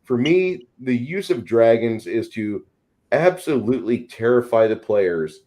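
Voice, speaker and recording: A man's voice: medium pitch, lively intonation, a little slow, darkish tone. A man speaking casually and at length as a panelist, opinionated and emphatic in the way he explains things. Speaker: panelist and game master. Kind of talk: casual discussion.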